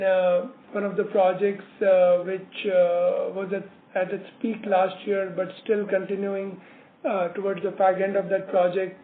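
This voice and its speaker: A man presenting company results as an executive on a business call, halting often with many filler words. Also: high-pitched. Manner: halting, hesitant delivery with frequent filler words. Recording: narrowband phone line, roomy echo, slight noise.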